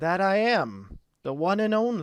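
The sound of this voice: Putting on a gruff character voice, a man speaks at a high pitch and a fairly slow pace.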